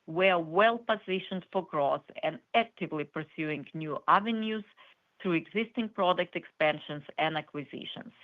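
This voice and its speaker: A woman company executive reading a scripted corporate earnings presentation in a measured, formal way. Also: on the low side. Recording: muffled, band-limited conference call audio.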